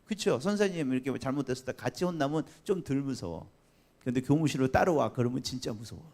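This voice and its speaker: Male pastor, sermon, conversational, animated swoops in pitch, laughs and asks questions. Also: fast. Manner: lively, conversational preaching with laughs and rhetorical questions. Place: church sanctuary.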